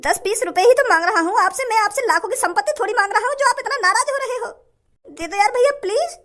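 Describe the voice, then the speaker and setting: A woman's voice: very high voice, fast, a bit bright. A woman voicing a hungry young male beggar who pleads for money. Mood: pleading. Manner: whining, pleading.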